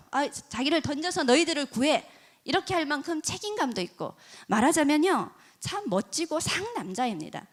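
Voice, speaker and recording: A woman preacher giving an evening church sermon, telling a story with animated acted-out scenes. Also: sits high. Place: church service.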